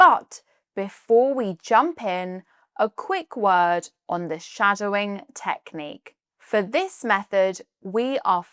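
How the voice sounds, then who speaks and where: In a British accent, a woman speaks at a very slow pace with medium pitch and lively intonation, on a very clean recording with a silent background and a dry, close sound with no echo. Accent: Modern RP British. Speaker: English teacher. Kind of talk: language lesson shadowing read. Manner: slow, clear.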